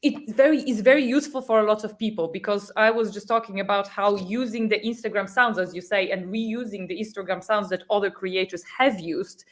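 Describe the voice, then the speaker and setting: A woman's voice: mid-range voice, a little fast, hardly any pauses. A woman speaking informally as a guest in a casual panel discussion, chatty and fond of giving examples. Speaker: guest on a social media talk show.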